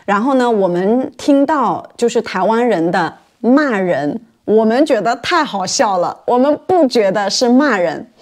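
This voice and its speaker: A woman's voice: fairly high pitch, unhurried, hardly any pauses. Laughing Chinese podcast host woman. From mainland China. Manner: laughs often, animated when telling stories. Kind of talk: casual chat for Chinese learners.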